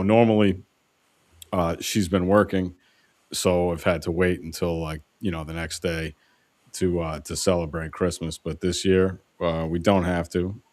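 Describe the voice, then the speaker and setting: A man's voice: low voice, no room sound. A man chatting casually as a podcast co-host, telling rambling, profane stories full of fillers and restarts. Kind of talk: casual chat.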